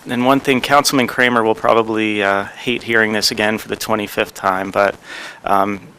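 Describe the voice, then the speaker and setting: A man serving as mayor, giving rambling remarks at a township council meeting with many pauses and fillers. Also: on the low side, steady tone, bright, forceful tone, slight background noise, rough recording. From New Jersey. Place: council chamber.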